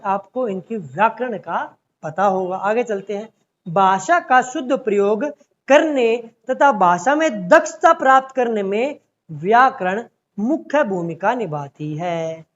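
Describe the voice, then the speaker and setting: A man's voice: extremely high pitch, expressive, measured pace, fairly bright tone, dull audio. A man teaching an exam-prep language class, explaining step by step and repeatedly calling his students "beta".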